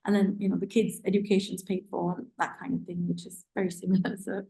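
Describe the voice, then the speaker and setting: A woman's voice: fairly low pitch, little pitch movement, fast talker, vocal fry, mellow, low-quality recording. Chatty woman guest on a podcast. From born in Sri Lanka, raised in Britain. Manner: chatty, thinking aloud with fillers. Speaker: guest, ambassador's spouse. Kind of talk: conversational podcast interview. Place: residence reception room.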